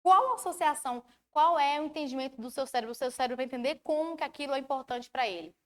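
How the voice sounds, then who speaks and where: In a high-pitched, fast voice, a Brazilian Portuguese-accented woman mentors students through an online lecture. Her explanations are lively, and she asks her audience questions along the way.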